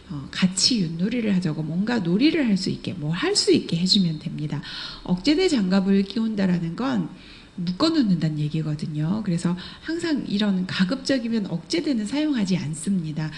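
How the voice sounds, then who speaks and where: A woman's voice: medium pitch, darkish tone. A middle-aged woman, director of a care training school, walking through exam questions and patiently explaining each answer. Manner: explains patiently, acts out residents' remarks.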